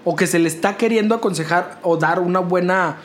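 A man with a northern Mexican accent, a radio producer, in casual podcast chat, animated and sarcastic, swearing freely. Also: high voice, a little fast.

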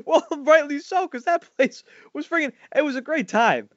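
A man, hosting a casual podcast chat and telling stories loudly, his voice jumping up high when he gets worked up. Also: moderate pace, dry recording. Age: 40s. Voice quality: loud voice. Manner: animated storytelling, swings high when excited. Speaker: podcast host. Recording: dull lo-fi dry sound.

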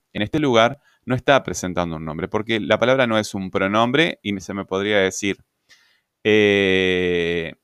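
A man's voice: fairly low pitch, fairly bright tone, clean tone, dry recording, studio quality. A man explaining grammar in a recorded lesson, hesitating often and checking in with tag questions. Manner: halting, many fillers and tag questions. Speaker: grammar teacher.

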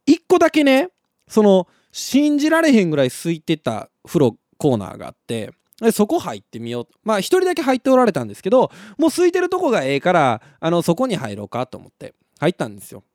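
A young man with a Kansai accent, hosting a live radio show and telling stories in a casual, animated way. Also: sits high, quick pace, no echo, clean studio sound. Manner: animated storytelling, laughs at his own story.

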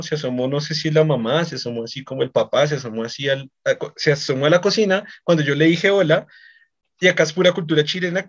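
A young Colombian man with a Colombian accent, hosting a podcast and telling casual anecdotes in a rambling way, repeating words and chuckling. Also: a little high. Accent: Colombian Spanish. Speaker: podcast host. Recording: slightly dull lo-fi podcast audio.

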